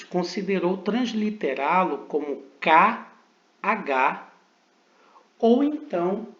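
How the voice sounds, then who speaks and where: A man with a Brazilian Portuguese accent teaching Greek pronunciation in a recorded lesson, slowly sounding out words and syllables for the student to repeat. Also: on the high side. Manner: slow, deliberate pronunciation drills with repetitions. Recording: roomy, dull lo-fi recording.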